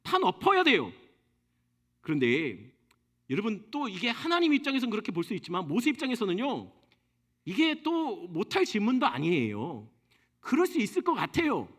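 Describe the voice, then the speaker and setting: A male pastor preaching with a very high, bright voice that rises and falls with lively expression. He tells the stories vividly and keeps his listeners engaged. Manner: lively storytelling, acting out dialogues. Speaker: senior pastor. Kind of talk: sermon.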